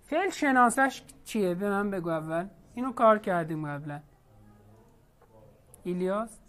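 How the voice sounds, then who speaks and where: A woman's voice: mid-range voice, animated. A woman teacher leading an online class, patiently questioning her students.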